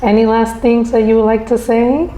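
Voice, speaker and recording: A woman's voice: a little high, little pitch movement, normal speed, mellow. A woman from the Dominican Republic hosting a casual interview podcast, encouraging her guest and backchanneling often. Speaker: podcast host. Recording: echoey room.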